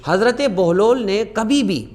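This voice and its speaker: A man appears as a guest scholar on a religious talk show, telling stories with passion. His voice sits high, lively and slightly mellow, and it rises sharply on key phrases. He slows down to recite Arabic quotations.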